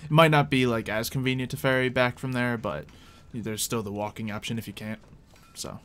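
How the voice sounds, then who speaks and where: Casual male game master, medium pitch, informal and explanatory, guiding players through a tabletop adventure. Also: fairly even intonation, a little fast, a bit bright, clear, resonant tone.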